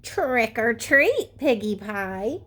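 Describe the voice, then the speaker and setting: A woman voicing a hungry big bad wolf posing as an old lady in a storybook, relishing each drawn-out word. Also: a little high, very animated, fairly bright tone, heavily acted. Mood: sly, greedy. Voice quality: creaky.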